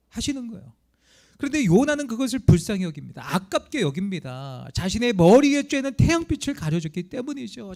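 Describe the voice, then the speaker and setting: A man's voice: very high-pitched, creaky, darkish tone. A male pastor preaching a sermon, telling the story dramatically and acting out the quoted lines.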